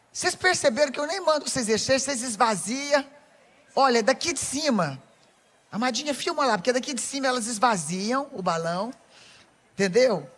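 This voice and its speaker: A woman with a Brazilian Portuguese accent and a slightly high voice preaches a lively sermon to an audience of women. She is playful and teasing and speaks directly to the crowd.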